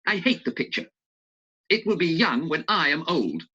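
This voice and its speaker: A man's voice: on the high side, big pitch swings, moderate pace, sharp tone, husky, voice pushed up, heavily acted. A man voicing a vain, anguished young man. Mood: resentful. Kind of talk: audiobook character reading. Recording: dull lo-fi recording.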